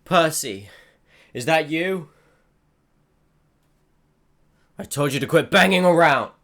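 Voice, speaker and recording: A man's voice: fairly high pitch, expressive, normal speed, fairly bright tone, dry recording. A man voicing a rude, sarcastic, reluctant sorcerer of a haunted house in a scripted ASMR roleplay, grumbling and dismissive, close on the microphone. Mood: irritated.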